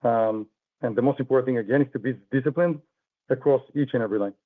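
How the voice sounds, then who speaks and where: A man's voice: medium pitch, quick pace. A man speaking as a company executive, giving unscripted answers on an earnings call. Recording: narrow phone-like conference call line.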